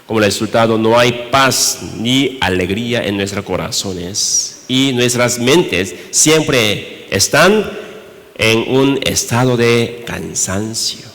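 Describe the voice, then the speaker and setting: A man from Korea with a Korean accent, preaching a sermon in Spanish as pastor, halting, with many rhetorical questions. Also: medium pitch, animated, a bit bright. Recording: reverberant church hall.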